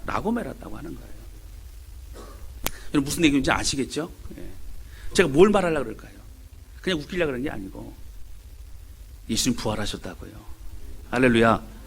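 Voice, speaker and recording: A man's voice: medium pitch, lively intonation, a little fast, vocal fry, long pauses. A male pastor from Seoul preaching a sermon, emphatic and speaking straight to his congregation. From Seoul, Korea. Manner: emphatic, addressing the congregation directly.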